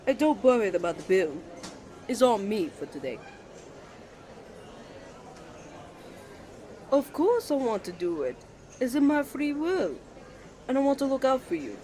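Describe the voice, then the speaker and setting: A man plays a sweet, shy young man in a romantic audio roleplay. His voice sits high and jumps around in pitch, earnest and easily flustered, with faint noise behind it. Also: sing-song, moderate pace, a little mellow. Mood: tender, reassuring. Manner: nervous, stammering, earnest. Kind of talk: ASMR romantic roleplay acting.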